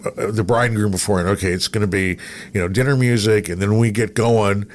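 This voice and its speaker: A man's voice: lowish voice, fairly even intonation, fast. A middle-aged man chatting casually and telling anecdotes, acting out bits of remembered dialogue. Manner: storytelling, acts out quoted remarks. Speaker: radio personality, podcast guest. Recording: noticeable background noise.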